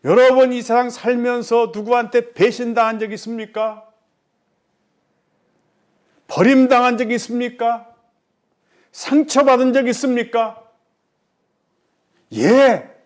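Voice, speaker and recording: A middle-aged male pastor preaching a sermon in a fairly high voice. He presses his points with rhetorical questions to the congregation. His delivery swings between raised, emphatic lines and sudden hushed, low phrases. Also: steady tone, measured pace, long pauses.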